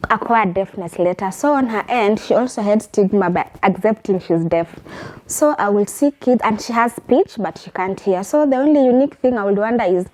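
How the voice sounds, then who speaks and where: A young woman speaks as a guest in a television interview. Her voice is mellow and warm, and she sits at middle pitch. She explains her points at length in a measured, earnest manner. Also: lively intonation. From Kenya. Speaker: guest, lawyer and advocate.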